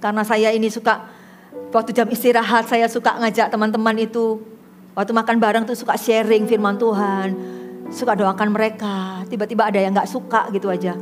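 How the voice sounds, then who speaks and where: High-voiced woman pastor telling stories. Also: brisk, faint music behind. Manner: lively storyteller acting out quoted dialogue. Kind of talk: sermon with storytelling.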